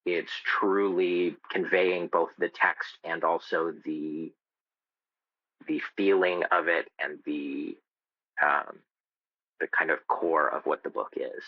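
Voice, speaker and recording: A man talking as a podcast guest in a casual, explanatory way, halting as he thinks aloud. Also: low voice, steady tone, no room sound, highs cut off. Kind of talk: casual interview chat.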